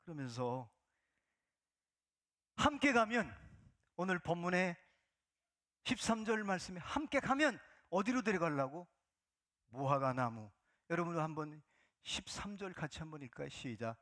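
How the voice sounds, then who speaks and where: A male pastor gives a Sunday sermon in a church sanctuary. His voice sits high and rings bright as he preaches emphatically. He falls to hushed whispers when quoting. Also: animated, normal speed.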